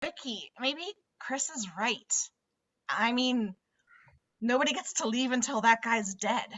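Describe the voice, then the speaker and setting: A woman acts out an earnest, shaken teenage girl from a horror comedy. Her voice is high and bright, swinging about as she stammers. The audio is slightly lo-fi, like a video call. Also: expressive. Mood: earnest, hesitant. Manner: halting, stammering. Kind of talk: table read of a horror comedy film script.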